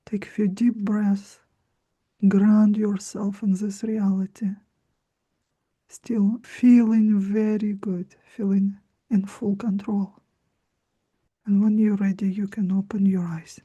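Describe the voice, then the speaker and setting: A woman's voice: medium pitch, flat delivery, slow pace, long pauses, dark tone, husky, poor audio. A woman leading a guided trance in a mesmerizing, hypnotic manner, soothing and often close to a whisper. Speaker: guided trance practitioner and teacher.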